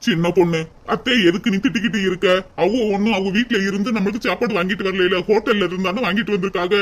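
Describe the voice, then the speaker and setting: A woman's voice: mid-range voice, quick pace, close to an everyday voice. A woman voicing a weary young cartoon husband. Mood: weary, soothing. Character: troubled young husband, gentle. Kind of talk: cartoon voice acting.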